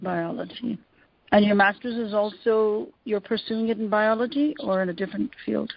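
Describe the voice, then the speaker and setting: A middle-aged woman speaking as an attorney advising callers, in a halting, measured way, often rephrasing herself. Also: medium pitch, vocal fry, no room sound. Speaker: immigration attorney answering callers. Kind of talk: advisory question-and-answer on a conference call. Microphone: phone conference line. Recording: dull, lo-fi conference call line.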